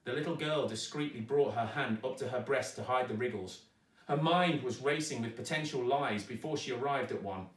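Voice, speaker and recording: A man narrating a children's story aloud with dramatic, expressive delivery, recorded in a roomy space at some distance. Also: mid-range voice, moderate pace. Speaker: storyteller, actor reading aloud. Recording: roomy echo, distant microphone.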